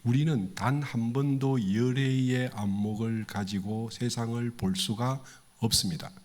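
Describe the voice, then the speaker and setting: A man's voice: steady tone, measured pace, a little mellow. A man preaching a sermon to a congregation in a temple hall, in a conversational way, asking his listeners questions and acting out the voices he quotes. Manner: acts out quoted voices with big pitch swings. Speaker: pastor.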